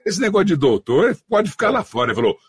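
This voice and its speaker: A male podcast host speaking on an online call. He chats casually and adds his own memories. His husky voice moves lively in pitch. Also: quick pace, no echo, studio quality. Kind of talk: casual interview chat.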